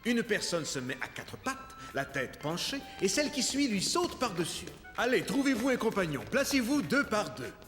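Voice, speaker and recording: A man's voice: sits high, sing-song, moderate pace, few pauses, fairly bright tone, in a large hall, soft background music. A man voicing a friendly, encouraging children's gym teacher in a cartoon, giving step-by-step instructions. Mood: lively, instructive.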